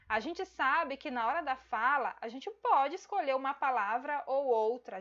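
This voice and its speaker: Woman teacher, slow and emphatic. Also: high-pitched, a bit bright, highs cut off. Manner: slow, emphatic, addresses students directly. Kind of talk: recorded video lesson.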